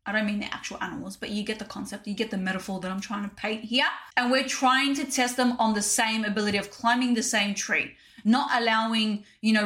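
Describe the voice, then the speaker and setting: A woman's voice: on the high side, fairly bright tone. A woman, hosting a casual solo podcast and talking to listeners in a chatty, direct way. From Australia. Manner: chatty, direct, addresses listeners as "you guys". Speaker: podcast host.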